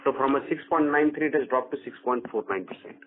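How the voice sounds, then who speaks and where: A narrow, tinny phone line with a noticeable hum carries an Indian-accented man of medium pitch. He speaks as an executive on a conference call, laying out his explanations point by point. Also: fast. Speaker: company executive answering analysts.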